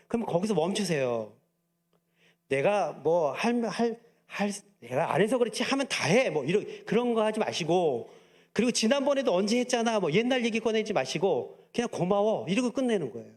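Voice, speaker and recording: Male pastor, high-pitched, lively sermon delivery with questions to the congregation. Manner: lively, asks the congregation questions and acts out quotes.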